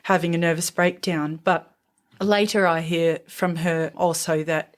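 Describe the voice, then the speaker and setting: A middle-aged Australian woman, a podcast guest, recalling her childhood thoughtfully and pausing to remember details. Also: on the low side, flat delivery. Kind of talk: reflective interview storytelling.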